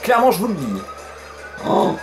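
A man commentates a video game in a chatty, filler-heavy way, cursing when things go wrong. His voice sits fairly high and swings widely in pitch. Faint game music plays under him. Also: wildly swooping pitch, normal speed. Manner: chatty, fills with "hein", swears when surprised. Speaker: let's play gamer. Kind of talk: casual gameplay commentary.

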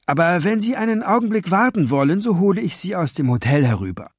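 A man reading aloud and voicing a middle-aged thief who lies politely and offhandedly, lower and softer than his narration. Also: very animated, fast, slightly rough, no room sound, studio quality, heavily acted. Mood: sly. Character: smooth lying middle-aged male thief, politely sly.

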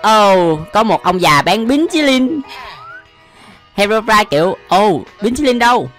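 A man's voice: sits high, very animated, measured pace, fairly bright tone. A young man giving casual, exclamation-filled reaction commentary as a YouTube host, often amused by what he watches. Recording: music behind the voice. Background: music.

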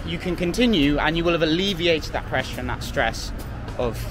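A man's voice: a little high, normal speed, music in the background. A man in his twenties, a dating coach, talking casually and playfully on a busy city street. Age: 20s. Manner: relaxed, chatty and playful. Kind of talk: street approach vlog with commentary. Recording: traffic noise on a city street.

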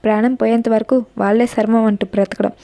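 A devoted young woman in a spoken storybook, earnest and firm, a woman reading her lines with a fairly high, mellow voice. The sound is close and dry, with no room around it. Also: flat delivery, fairly quick, dry recording, close to an everyday voice.

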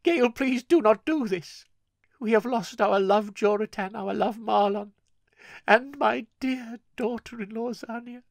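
An old grandmother begs with imploring sorrow, her voice pitched well above the reader's natural one, as a man puts her on. The delivery is slow and dry, with no echo. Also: creaky. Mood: begging. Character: aged grandmother, begging and sorrowful.

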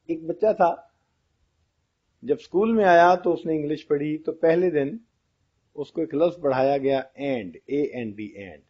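Man, Islamic lecturer, humorous anecdotes, breathy voice, muffled recording. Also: a little high. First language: Pashto-region colleagues mentioned, not him. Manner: storytelling, asks the audience questions. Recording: dull lo-fi audio.

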